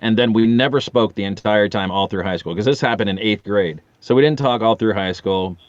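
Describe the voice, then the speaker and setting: A man's voice: on the low side, brisk, no echo, highs cut off. A man in his forties chatting casually as a podcast guest, telling rambling, jokey anecdotes with casual swearing. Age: 40s.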